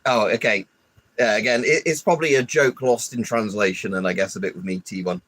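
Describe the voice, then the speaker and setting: A man's voice: fairly low pitch, brisk, fairly bright tone, no echo. A man rambling and grumbling through a casual live stream, stuffy with hay fever and swearing often. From United Kingdom. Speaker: livestreamer.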